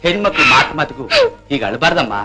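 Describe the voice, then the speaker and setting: Here is a kindly helper who treats the women of the house like his sisters, in a classic devotional film. He talks in a soothing, coaxing way with a lively rise and fall. His voice is bright and sits a little high. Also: fast talker, faint music behind, heavily acted, low-quality recording. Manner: coaxing, soothing brotherly talk. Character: kindly helper brother, warm male village servant. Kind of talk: 1970s film acting.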